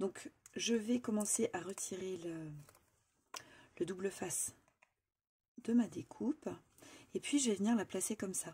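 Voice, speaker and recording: A woman's medium-pitched, somewhat breathy voice with a dark, mellow tone and ordinary pitch variation. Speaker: crafting youtuber. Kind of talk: tutorial.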